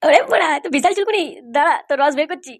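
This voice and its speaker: Cartoon lad for an actress: cocky hustler, high voice, extremely quick, foul-mouthed, loud music behind. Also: female voice, very noisy. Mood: eager. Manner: crude, cheeky. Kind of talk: comic cartoon dubbing.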